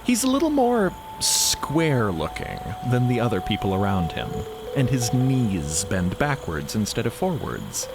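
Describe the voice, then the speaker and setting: A man's voice: fairly low pitch, huge pitch swings, a little slow, creaky, background noise. A man narrating a scripted story theatrically, with playful, dramatic emphasis.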